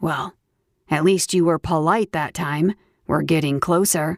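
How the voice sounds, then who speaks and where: Using a put-on character voice, a woman growls at a moderate pace in a fairly low pitch. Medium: read story. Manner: smug, teasing.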